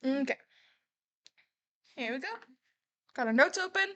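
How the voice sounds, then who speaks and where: A woman's voice: sits high, lively intonation, measured pace, a bit bright. A woman livestreamer giving casual, candid reaction commentary, musing aloud as she goes.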